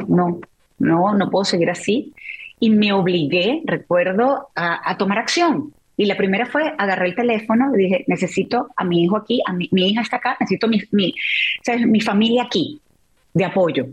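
Husky middle-aged woman telling her story. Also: on the low side, muffled recording. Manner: emotional, reflective, with restarts. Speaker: guest. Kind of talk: personal storytelling in interview.

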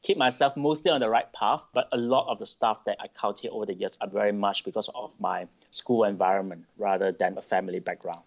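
A middle-aged man from Malaysia, answering interview questions thoughtfully, with pauses and restarts. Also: fairly low pitch, fairly even intonation, vocal fry. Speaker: podcast guest. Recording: dull lo-fi sound.

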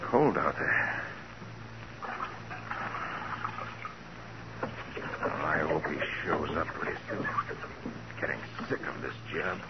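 An actor playing a cool, tough private detective, wry and composed, in a 1940s radio crime drama. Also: male voice, very deep voice, animated, a little slow. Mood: weary. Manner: wry, composed, matter-of-fact. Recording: muffled, hissy 1940s radio recording.

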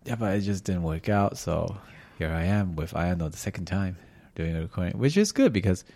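A man with a slightly raspy voice hosting a podcast as a casual, slangy, sweary chat. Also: deep voice, animated, brisk, dark tone. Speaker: podcast host. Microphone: podcast microphone.

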